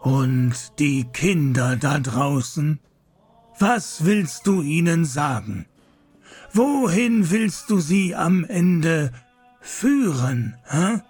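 A stern old priest in a radio drama, speaking very slowly in a husky, somewhat high voice. He admonishes solemnly, like a father correcting his charge. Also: expressive, a little mellow, soft background music, full character voice. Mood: concerned admonishing. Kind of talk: German radio play acting.

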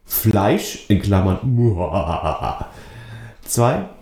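Dark-voiced, echoey German podcast host. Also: male voice, on the low side, sing-song, very slow, creaky. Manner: hesitant, many fillers and restarts, reads quiz questions aloud. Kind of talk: casual podcast chat. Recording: roomy, echoey sound.

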